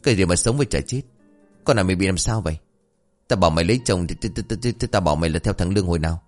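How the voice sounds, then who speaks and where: A man's voice: deep voice, animated, faint music behind. A man playing a brash rowdy young brother. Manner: wheedling, brash, rapid-fire.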